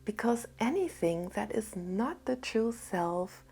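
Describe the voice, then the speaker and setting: A woman giving a gentle spiritual talk in a soft, half-whispered, calm voice. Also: mid-range voice, slightly rough. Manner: calm and unhurried. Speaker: spiritual teacher.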